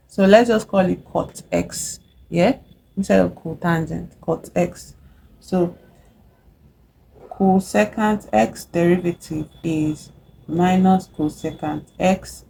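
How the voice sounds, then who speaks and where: A Nigerian woman with a low, dark voice teaches maths at a whiteboard. There is a gravelly edge to her voice. She checks in with her viewers and slows down to spell out formulas as she writes. A faint hiss sits behind her. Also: rough recording. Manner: chatty and encouraging, checks in with "yeah?" and "okay?". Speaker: math tutor vlogger. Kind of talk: casual whiteboard lesson.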